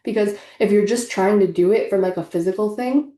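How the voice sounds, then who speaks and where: Speaking a little fast, a young woman with a medium-pitched, mellow voice chats earnestly through a tarot reading. She sounds congested, fills her spiritual talk with fillers, and the room is echoey.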